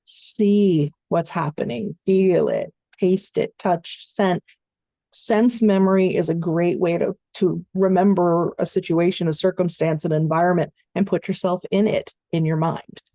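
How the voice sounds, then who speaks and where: Female voice-over coach, low mellow gravelly tone, dry close mic, conversational teaching. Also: a little slow, no room sound. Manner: instructive, conversational, steady explanations with fillers. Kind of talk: online training webinar.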